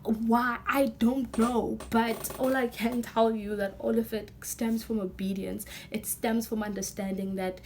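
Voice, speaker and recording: A young woman with a hoarse, nearly lost voice, talking excitedly and rambling with many fillers in a casual vlog. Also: a little high, measured pace, hardly any pauses, a little hiss or hum. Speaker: vlogger.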